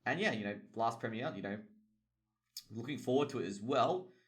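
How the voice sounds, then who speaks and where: A man's voice: mid-range voice, lively intonation, normal speed. A young Australian man, an esports caster, chatting casually about tournament news, rambling with lots of fillers and swearing. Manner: rambling, swears a lot, heavy filler words. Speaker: esports caster and streamer host.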